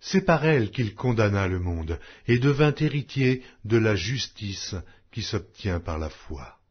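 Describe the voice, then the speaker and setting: A man reading scripture aloud as a formal audiobook narration, in a solemn, measured, declamatory way. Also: fairly low pitch, expressive, husky, dull audio.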